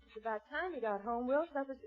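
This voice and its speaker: An actress playing an anxious, loyal American rancher's wife, earnest and dramatic in an old western radio drama. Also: female voice, a little high, lively intonation, fast, very noisy, lightly acted. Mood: uneasy. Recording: muffled old radio, faint music.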